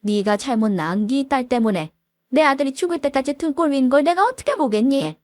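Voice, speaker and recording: A woman's voice: sits high, expressive, a little fast, no room sound, studio quality, voice pushed up. A woman voicing a scornful middle-aged mother-in-law who mocks and scolds sarcastically. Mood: sneering.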